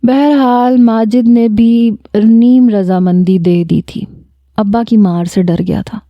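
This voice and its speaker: A woman narrating a first-person romantic story with a lively, expressive reading. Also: fairly high pitch, no echo, lo-fi sound.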